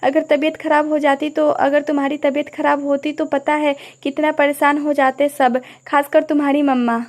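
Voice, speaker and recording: A woman voicing a calm, protective older brother. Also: sits high, moderate pace. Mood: soothing. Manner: soft, calm, soothing. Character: gentle, protective young man, an older brother.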